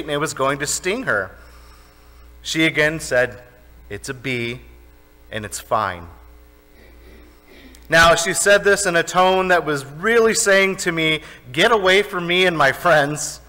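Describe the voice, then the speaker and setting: A man's voice: a little high, bright, forceful tone. A male pastor preaching a sermon in a church sanctuary, telling a story conversationally and asking the congregation questions. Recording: reverberant church hall.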